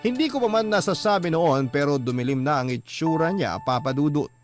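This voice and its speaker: Man voicing a husband recounting his story, radio drama narration, loud music bed. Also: on the high side, expressive, fairly quick, lightly acted. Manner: confessional storytelling. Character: troubled husband telling his story to the host. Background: background music.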